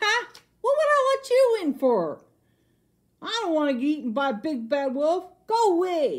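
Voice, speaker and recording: In a cartoonish character voice, a woman talks at a moderate pace with extremely high pitch, very wide pitch swings, and long, frequent pauses. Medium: puppet.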